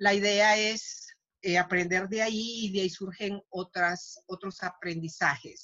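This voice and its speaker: An unremarkable speaking voice moves at a fairly slow pace with fairly even intonation and big swings in loudness. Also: woman, medium pitch for a woman. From Mexico. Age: 60s. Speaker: mathematics professor. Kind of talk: lecture. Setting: video call.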